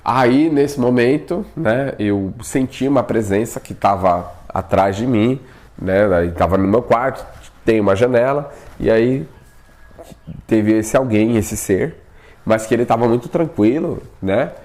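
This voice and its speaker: At medium pitch and a little slow, a man tells a personal experience as casual spoken storytelling. He's animated, acting out what he said back then, including his own past pleas, and often asks himself "por quê?".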